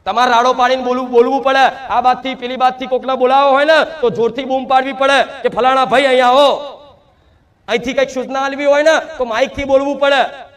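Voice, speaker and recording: A man's voice: very high-pitched, little pitch movement, fast, a bit bright. A man. He speaks in the first person as a divine mother figure and addresses devotees directly. His delivery is emphatic and full of rhetorical questions. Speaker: spiritual medium speaking as the goddess to devotees. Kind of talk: devotional sermon.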